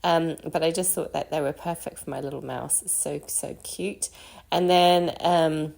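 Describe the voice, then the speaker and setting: A woman talks in a low, gravelly voice that sounds croaky from a lingering cold. She chats warmly and casually while explaining her crafting, often filling pauses with ums. Her tone is friendly and unhurried. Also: steady tone. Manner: chatty, friendly, frequent ums. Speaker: card-making crafter.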